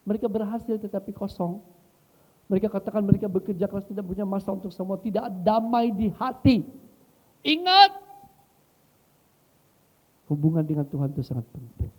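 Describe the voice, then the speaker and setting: A man's voice: high-pitched, fast, slightly rough. Middle-aged man preaching in a reverberant hall. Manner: animated, swings between soft asides and loud exhortation. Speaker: pastor. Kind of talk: sermon with storytelling. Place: church hall.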